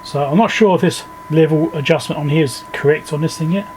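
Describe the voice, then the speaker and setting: A man with a fairly high voice talks through repair work in an informal, think-aloud way. He sounds like a video host explaining each step at his bench, with some noise in the recording. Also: a little fast, darkish tone. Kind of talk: casual hands-on repair walkthrough. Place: indoor electronics workbench.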